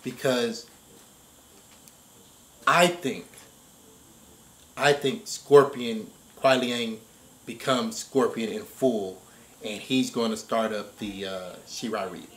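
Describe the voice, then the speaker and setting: An American man in casual discussion, thinking aloud in a halting, emphatic way and often repeating himself. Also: medium pitch, steady tone. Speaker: reaction show host. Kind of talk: casual chat, video game story discussion. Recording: roomy, echoing space.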